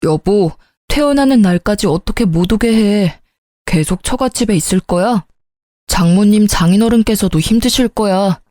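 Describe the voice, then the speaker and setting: A woman's voice: medium pitch, normal speed, warm tone, dry recording, studio quality, natural voice. A woman voicing a remorseful young husband who begs his wife to forgive him in a coaxing tone, in a storybook reading. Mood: pleading. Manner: coaxing, begging.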